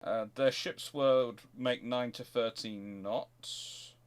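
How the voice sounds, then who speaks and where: A man's voice: mid-range voice, steady tone, slow pace, clean tone. A man hosting a history question show, thinking aloud in casual, rambling answers and repeating his phrases as he goes.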